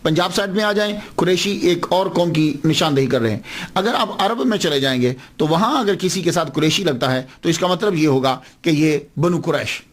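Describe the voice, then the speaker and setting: A man's voice: on the high side, expressive. A man giving a religious lecture as a scholar, explaining step by step and asking questions he then answers. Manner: slows down to spell out names and words. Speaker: Islamic scholar.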